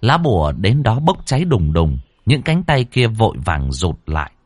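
A man's voice: lowish voice, very animated, normal speed, breathy edge, no echo. A man narrating a ghost story in a dramatic, suspenseful way. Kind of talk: audiobook narration.

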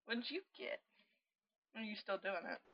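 A woman co-hosting a casual podcast chat, giggly and unhurried. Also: mid-range voice, dry recording, muffled recording. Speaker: podcast co-host.

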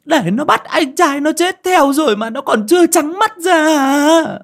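A shrill older aunt scolds her relatives in a spoken ghost story, put on by a woman narrator. Her voice climbs high and loud, with a husky edge and wild swings in pitch. She sounds bossy and fearful. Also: very animated, measured pace, heavily acted. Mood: shrill scolding. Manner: shrill, berating, superstitious scolding. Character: harsh scolding older woman, clan head's wife.

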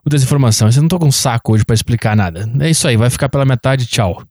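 A man co-hosting a casual comedy podcast, riffing with quick sarcastic jokes. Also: mid-range voice, a little mellow, dry recording, clean studio sound. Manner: quick, joking, sarcastic riffs. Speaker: podcast co-host.

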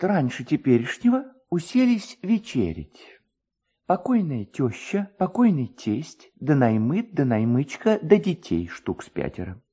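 A man's voice: on the high side, warm tone, husky, voice pushed up, heavily acted. A man voicing a superstitious, talkative village distiller in a storybook reading, anxious and pleading in manner.

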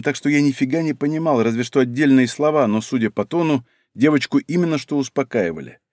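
A male narrator reads a first-person novel aloud, his pitch moving freely across each phrase. His voice sits in the middle of the range. The sound is dry and close, with no room in it. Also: a little mellow, no room sound. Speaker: audiobook narrator.

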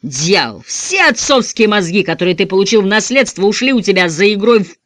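A narrator voicing a gruff backwoods outlaw father who bellows coarse threats. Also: mid-range voice, expressive, fairly quick, fairly bright tone, dry recording, pitched above the performer's own voice, close to an everyday voice. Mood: bellowing.

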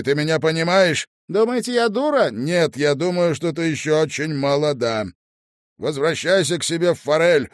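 A man voicing a stern, commanding nobleman who gives loud, clipped orders in an audiobook. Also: on the high side, dry recording, studio quality, voice pushed up, natural voice.

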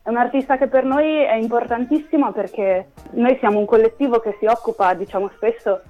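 A woman's voice: fairly high pitch, fairly even intonation, fairly quick, muffled recording, faint music behind. A woman guest from a theater collective, explaining her project thoughtfully in a radio interview.

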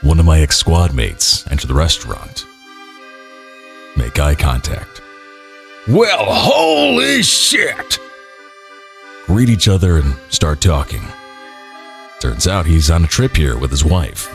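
A man's voice: extremely low pitch, expressive, measured pace, faint music behind. A man reading internet stories aloud for comedy in a terse, dry manner.

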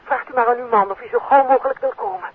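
A woman's voice: on the high side, fast talker, breathy edge. An actress playing an urgent, guarded woman on the telephone in a 1950s Dutch radio play. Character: urgent, guarded female caller. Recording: thin phone line on old radio recording.

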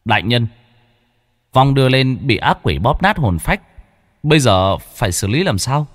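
A man's voice: mid-range voice, expressive, moderate pace, big-room sound, natural voice. A man voicing a dutiful male ghost underling who reports formally to his master. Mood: urgent. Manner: formal, deferential.

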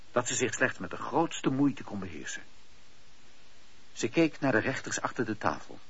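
Male radio play narrator, dramatic scripted delivery, husky, animated, slightly muffled lo-fi recording. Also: medium pitch.

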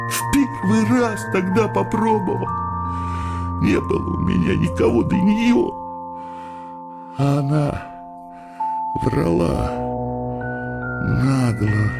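An actor playing an outraged, blustering, middle-aged working-class husband in a radio comedy play, given to agitated, repeated exclamations. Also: male voice, sits high, vocal fry, exaggerated voice.

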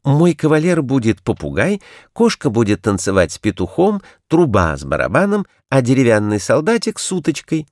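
A man's voice: mid-range voice, huge pitch swings, normal speed, hardly any pauses, darkish tone, no echo, studio quality, voice pushed up. A man voicing a prim female toy doll who bosses the others in a storybook reading. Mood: bossy.

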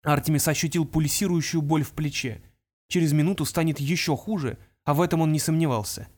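A man's voice: a little high, steady tone, brisk. Man narrating an audiobook dramatically.

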